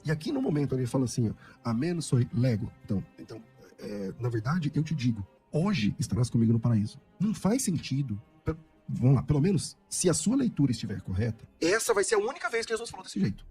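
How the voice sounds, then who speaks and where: Emphatic Brazilian pastor in a fast debate. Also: male voice, a little high, very animated, mellow, breathy edge, soft background music. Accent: Brazilian Portuguese. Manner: emphatic, argumentative, repeats words as he builds a point. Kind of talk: radio theological debate.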